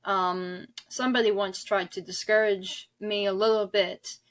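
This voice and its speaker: A woman's voice: mid-range voice, steady tone, unhurried, a bit bright. A woman guest in a conversational podcast interview, talking in an earnest, emphatic, rambling way. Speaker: interview guest, author and audio drama director.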